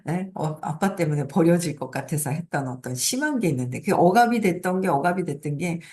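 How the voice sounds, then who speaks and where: A middle-aged woman talks casually as the host of her own show, sharing stories and advice in a loose, chatty way. Her voice sits on the low side for a woman, and she laughs easily as she goes. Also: animated, a little fast, a little mellow. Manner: chatty storytelling, frequent laughs. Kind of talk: casual motivational talk.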